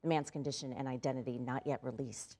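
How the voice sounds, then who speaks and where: A woman anchoring a live morning newscast, reading stories briskly and slipping into upbeat, chatty asides with her co-anchor. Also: extremely low pitch, fairly even intonation, mellow.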